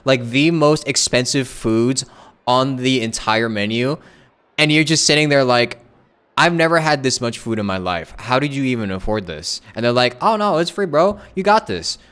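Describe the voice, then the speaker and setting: Young man, casual streamer commentary, smooth clear voice, slangy and repetitive. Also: medium pitch, expressive, normal speed, a bit bright. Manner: slangy, repetitive, reacting loosely. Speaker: game streamer. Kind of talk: casual live gameplay commentary.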